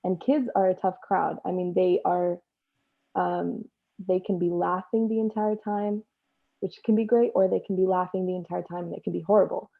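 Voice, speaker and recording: A woman's voice: on the low side, steady tone, normal speed, creaky. A young adult woman, an actor, talking casually as a guest in a panel chat. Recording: dull, lo-fi call audio.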